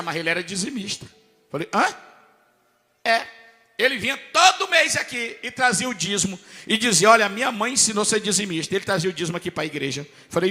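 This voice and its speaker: A man's voice: high voice, bright, forceful tone, big-room sound. A man preaching a testimony, telling his story emphatically and acting out the other people's voices. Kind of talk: testimony sermon.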